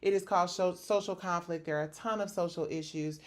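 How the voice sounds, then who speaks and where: A woman's voice: lowish voice, steady tone, a little fast. A woman host speaking straight to her viewers in an upbeat, chatty wrap-up that promotes her shows. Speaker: show host and producer.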